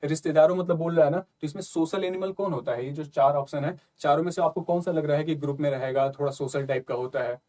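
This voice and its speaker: A man's voice: fairly high pitch, quick pace, few pauses, dark tone. A man explaining exam questions in a casual, conversational lesson, often checking in with his listeners. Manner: conversational, repeats "ठीक है" and "ना" often. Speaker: exam prep tutor.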